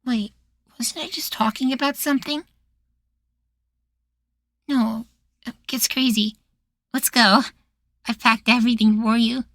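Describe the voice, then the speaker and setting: High, hesitant young boywife played by a woman. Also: fairly even intonation, measured pace, long pauses, no room sound. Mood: gentle, wondering. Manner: hesitant, soft-spoken pleading, trailing questions. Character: meek young futuristic boywife, sweet, curious, hesitantly questioning. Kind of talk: ASMR roleplay acting.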